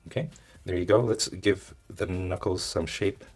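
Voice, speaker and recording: A man who is a little hoarse, giving casual step-by-step drawing instruction and thinking aloud as he demonstrates. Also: sits low, steady tone, a little slow, faint music behind. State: hoarse, losing his voice. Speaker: drawing tutorial host.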